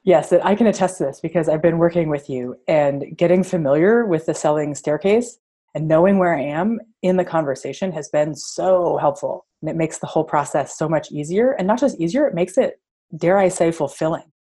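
A woman's voice: low-pitched, fairly quick, dark tone. A woman podcast host speaks in a conversational interview style. Her voice comes through a laptop's internal mic, giving it a tinny, metallic edge. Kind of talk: podcast introduction and interview chat. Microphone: laptop's internal microphone. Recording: tinny built-in laptop microphone.

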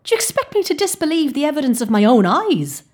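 A woman's voice: mid-range voice, lively intonation, moderate pace, a little mellow, husky. A woman reading the part of a shaken Irish surgeon, an adult man, speaking in urgent, agitated questions. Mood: incredulous.

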